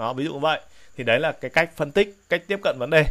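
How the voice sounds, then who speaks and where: A man's fairly high-pitched voice moves with lively intonation. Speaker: stock market analyst. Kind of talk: market analysis broadcast. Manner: hesitant, frequent fillers.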